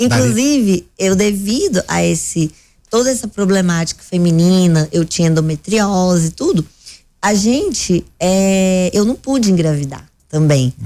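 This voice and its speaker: Lively intonation marks a woman's medium-pitched voice, dark and mellow in tone, at a fairly slow pace. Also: very even loudness. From central Brazil, Goiânia. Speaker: physician. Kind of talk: radio interview.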